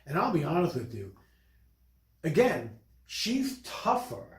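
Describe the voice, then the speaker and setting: A man's voice: on the high side, huge pitch swings, slow pace. A man chatting casually about a movie in slangy speech full of filler phrases. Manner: slangy, peppered with "you know". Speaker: podcast host. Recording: distant mic in echoey room.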